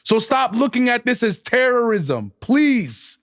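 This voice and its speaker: A man's voice: very high-pitched, very animated, a bit bright, no echo, clean studio sound. A man from the United States, speaking passionately as a guest musician in a casual podcast conversation and stressing his key points. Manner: passionate, drawn-out emphasis, says "dog" and "man".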